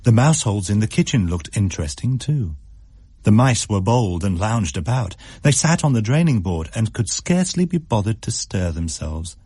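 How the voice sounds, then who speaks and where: A man reading a story aloud in a measured, wry narration. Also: lowish voice, sing-song, mellow, husky, no room sound, clean studio sound. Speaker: story reader.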